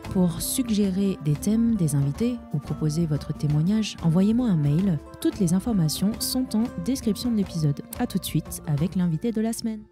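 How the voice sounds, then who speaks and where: A woman's voice: medium pitch, animated, normal speed, few pauses. A woman hosting a podcast, reading a scripted intro in an upbeat way, then chatting with her guest. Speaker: podcast host. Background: soft music under the intro.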